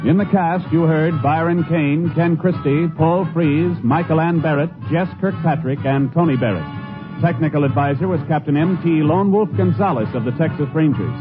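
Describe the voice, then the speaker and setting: A man's voice: fairly high pitch, normal speed. A man delivering scripted announcements as a 1950s radio program announcer. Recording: muffled vintage radio recording. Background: loud music.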